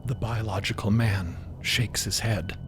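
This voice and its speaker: A man giving suspenseful, deliberate scripted narration for a fantasy audio drama. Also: fairly low pitch, steady tone, over music.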